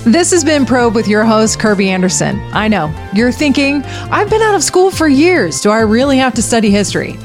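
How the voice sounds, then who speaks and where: Higher-voiced woman announcer over music. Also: very animated, a little fast, few pauses. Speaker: radio program announcer. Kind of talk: scripted radio outro and promo read.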